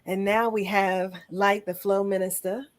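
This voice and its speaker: A woman's voice: medium pitch, level tone, unhurried, crowd noise. A woman hosting a casual panel interview, speaking in an encouraging, affirming way. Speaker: podcast host.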